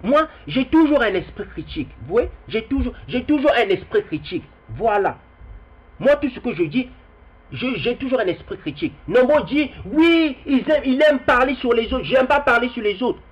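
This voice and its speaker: A young man with a high voice talks straight to his viewers. He rambles and doubles back on his words, and reads out passages here and there. The recording sounds dull and lo-fi. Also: very animated, moderate pace, husky. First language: Kikongo heritage language. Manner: rambling, repeats words, addresses viewers directly. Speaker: video commentator. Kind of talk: spoken video commentary with readings.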